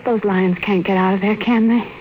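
A woman's voice: mid-range voice, fairly even intonation, moderate pace, highs cut off, natural voice. An actress playing an anxious, restless wife and mother in a 1950s radio drama, fretful and pleading. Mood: uneasy, unhappy. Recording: faintly noisy old radio recording.

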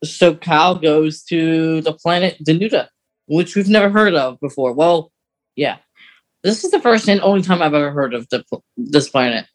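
A man's voice: a little high, normal speed, low-quality recording. A man hosting a podcast, chatting casually and explaining things in a hesitant, conversational way. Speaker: podcast host. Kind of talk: casual chat discussing a story.

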